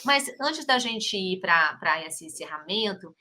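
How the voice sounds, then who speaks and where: A woman's voice: on the low side, lively intonation, unhurried, sharp tone. A middle-aged woman with a Brazilian Portuguese accent, hosting a podcast interview in a casual, effusive way. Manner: effusive, exclaims often. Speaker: podcast host.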